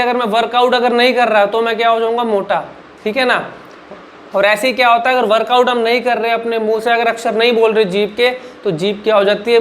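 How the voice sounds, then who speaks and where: A man explains speech exercises in an emphatic coaching tone. He keeps putting questions to himself, answers them, and checks back with the listener again and again. A faint hiss sits under his voice. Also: high-pitched. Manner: repeats "ठीक है ना" as a check-in. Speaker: public speaking coach. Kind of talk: instructional vlog talk.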